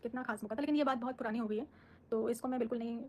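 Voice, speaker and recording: A woman talks quickly and firmly on a live stream, answering the comments her viewers send her. She sounds defensive and outspoken, and her voice sits fairly high for a woman. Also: fairly even intonation, mellow, lo-fi sound. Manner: firm, defensive, speaks her mind. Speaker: social media creator on a live stream.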